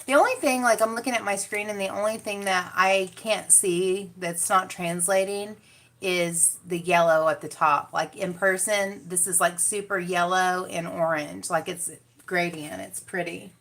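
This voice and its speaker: A woman's voice: on the low side, steady tone, a little slow, fairly bright tone. A woman chatting casually with her viewers on a makeup livestream, talking straight to them. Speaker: beauty livestream host. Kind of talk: casual livestream chat while doing makeup.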